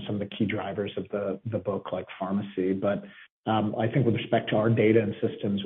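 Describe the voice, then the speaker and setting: A man answering as a company executive on an earnings call, cautious and hedging in his wording. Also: lowish voice. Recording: muffled narrowband phone line.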